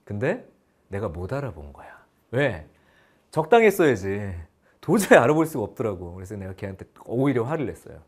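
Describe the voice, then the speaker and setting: A man teaching math in an online lecture, animated and playful, mixing polite and casual speech as he addresses his students. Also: lowish voice, a little fast, breathy edge.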